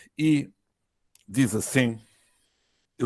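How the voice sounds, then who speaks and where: A man is speaking. He has a European Portuguese accent. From Portugal. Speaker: philosophy professor. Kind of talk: academic lecture read from text. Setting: web conference. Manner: formal.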